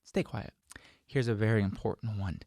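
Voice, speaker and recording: A man's voice: lowish voice, moderate pace, dark tone, no echo, studio quality. A man in his forties giving an informal tutorial to camera, stressing points by repetition and acting out example remarks. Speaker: instructor, video host. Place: small home studio, indoors. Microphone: desk microphone close in front.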